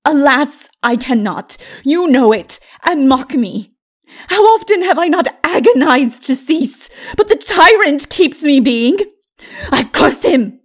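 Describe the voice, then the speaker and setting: A woman voicing a bitter, proud, anguished princess in a dark fantasy audiobook, gasping out her words in defiant bursts. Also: high voice, big pitch swings, slow, pitched above the performer's own voice, exaggerated voice. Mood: bitter, furious.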